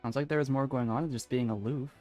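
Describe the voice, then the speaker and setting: A woman's voice: a bass voice, steady tone, quick pace, warm tone, faint music behind. A woman streamer giving casual live commentary on a video game, close to the microphone.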